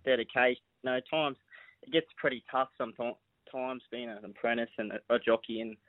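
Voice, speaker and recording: A man's voice: medium pitch, fairly even intonation, normal speed, no echo. A young Australian man, an apprentice jockey, chatting in an easygoing, modest way. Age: young adult. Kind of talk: casual chat. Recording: tinny phone-like line.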